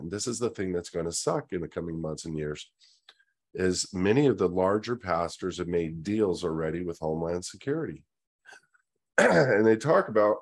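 His voice low and slightly mellow, a middle-aged man hosts from indoors against a virtual Q&A backdrop. Over a webcam video call he earnestly lays out his opinions in a monologue, repeatedly restarting what he says.

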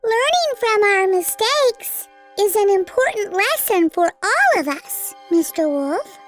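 A woman's voice: extremely high pitch, big pitch swings, takes it slowly, exaggerated voice. A woman voicing a cheerful, plucky little cartoon pig in a childlike, chirpy manner. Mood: earnest. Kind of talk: children's animated storytelling. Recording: loud music behind the voice.

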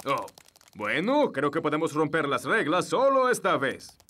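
A bumbling, pompous middle-aged fairy king in a children's cartoon. He has a Latin American Spanish accent and a bright, forceful voice that swings widely in pitch. He sounds self-important and easily flustered. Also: sing-song, a little slow, exaggerated voice. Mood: confident.

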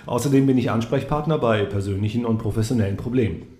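An actor playing a businesslike, obliging project leader in a radio drama, speaking politely. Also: male voice, mid-range voice, quick pace, dark tone, lightly acted. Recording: roomy echo.

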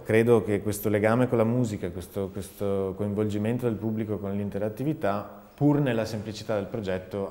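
A man's voice: lowish voice, warm tone. A man in his forties explaining his artistic work in an interview, thoughtfully, with searching restarts. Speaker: performing artist and sound researcher. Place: dark indoor studio, seated. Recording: roomy, reverberant hall sound.

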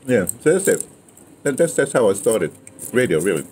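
A man's voice: mid-range voice, very animated, normal speed, a little mellow. An older American man telling stories casually in conversation, emphatic and digressive, often repeating his words. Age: older, 60s or 70s. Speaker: interviewer and former radio dramatist telling his own history. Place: outdoor patio at a table. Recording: noisy outdoor restaurant ambience.

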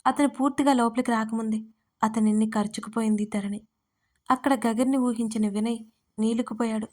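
A woman narrating an audio story in a steady storytelling manner. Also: fairly high pitch, a little fast. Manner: steady storytelling, reads every character's lines.

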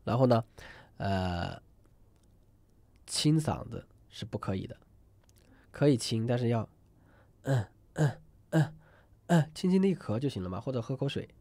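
With no room sound, a man teaching a live online singing class speaks at a moderate pace in a medium-pitched, sing-song, slightly mellow voice, pausing often. He rambles chattily, with lots of fillers and restarts, and frequently has students type numbers into the chat.

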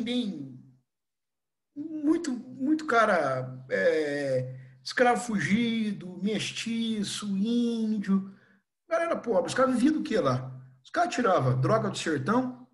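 A young adult man with a Brazilian accent teaching a history class, animated and playful, acting out little scenes. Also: sits high. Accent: Brazilian Portuguese. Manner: animated, acts out scenes with voices. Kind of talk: lively online class lecture.

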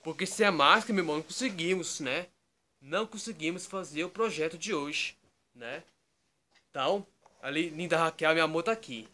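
Man, higher bright voice, rambling webcam vlog at home, endless tag questions. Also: a little fast. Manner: repeats "tá?" and "né?" constantly, loose digressive storytelling. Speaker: YouTube vlogger. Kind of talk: rambling casual talk to camera. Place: bedroom at home, indoors.

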